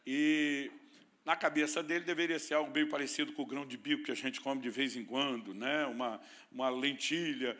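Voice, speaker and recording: A man's voice: mid-range voice, fairly even intonation, normal speed, fairly bright tone. A man preaching a sermon with a Brazilian Portuguese accent, mixing teaching with humorous personal stories. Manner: storytelling preacher with playful humor. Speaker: pastor.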